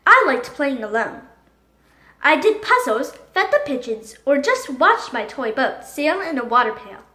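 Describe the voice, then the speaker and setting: A woman reading a children's book aloud in an expressive, dramatic storytelling manner. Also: high voice, measured pace. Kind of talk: animated storybook narration. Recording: echoey room.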